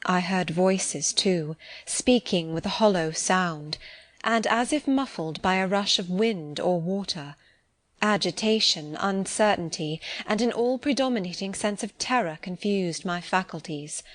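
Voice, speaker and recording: A woman narrating an audiobook of a classic novel in a measured, expressive reading. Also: fairly low pitch. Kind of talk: scripted narration.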